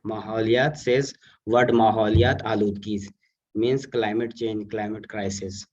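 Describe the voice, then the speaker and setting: A young man with an Indian accent, a native Urdu speaker, talking haltingly and earnestly in an online session. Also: fairly low pitch, fairly even intonation, darkish tone, a little hiss or hum. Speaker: student participant. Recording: distant, dull online call audio.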